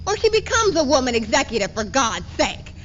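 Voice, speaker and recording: A woman's voice: sits high, very animated, brisk. A woman playing an earnest, defiant woman in a readers theater piece, with emphatic, declamatory delivery. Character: earnest, defiant woman, one self of a divided woman. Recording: dull, noisy 1970s archive tape.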